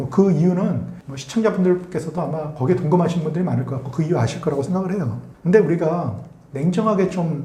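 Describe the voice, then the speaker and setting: A man talks at a fairly quick pace with a fairly high pitch and ordinary pitch variation. Noticeable background noise and audible room echo are present. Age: 50s. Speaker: finance author and asset management executive. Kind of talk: interview monologue, explanatory talk. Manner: measured, with fillers.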